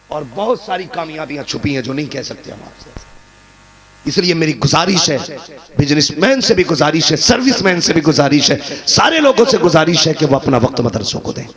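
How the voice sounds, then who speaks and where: A man preaching an emotional sermon to a live gathering, swinging between shouted peaks and quiet, low passages. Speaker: Islamic preacher. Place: religious gathering with live audience. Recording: live crowd audible.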